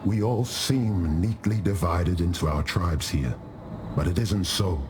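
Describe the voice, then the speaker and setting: A low-voiced, boastful tribal warlord. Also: male voice, measured pace, noisy background. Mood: wry, musing. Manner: jovial, teasing, storytelling. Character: boisterous, boastful male tribal warlord spirit, restored to his prime. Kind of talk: video game character dialogue. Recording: music under the voice.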